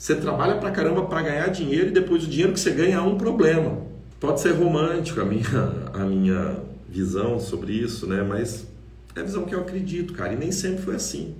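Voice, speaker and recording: Fairly quick speech from a man at a fairly high pitch, very wide pitch swings, audible room echo and noticeable background noise. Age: 40s. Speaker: podcast host, import business owner. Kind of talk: casual monologue.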